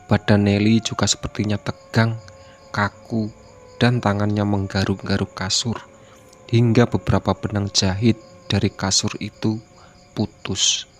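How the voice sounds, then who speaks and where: A man narrating a horror story as a scripted reading, with a steady, even delivery. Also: lowish voice, measured pace, long pauses, faint music behind.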